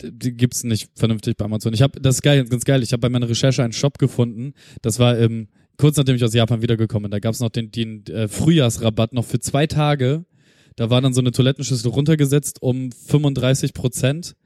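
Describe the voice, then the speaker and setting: Rambling man, dark voice. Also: mid-range voice, steady tone, fairly quick, no echo, studio quality. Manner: rambling, self-interrupting, swears casually. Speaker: podcast co-host. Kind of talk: casual chat.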